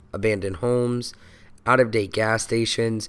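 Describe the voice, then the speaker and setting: Moderately paced, medium-pitched male speech in a normal speaking voice. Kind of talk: documentary narration.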